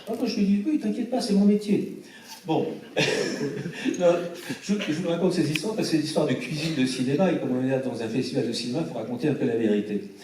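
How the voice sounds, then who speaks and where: A film director telling lively anecdotes to a cinema audience, acting out the voices of the people he quotes. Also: medium pitch, quick pace, a little hiss or hum. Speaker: film director presenting his film. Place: large cinema hall before a screening. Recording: very echoey hall, voice from far off.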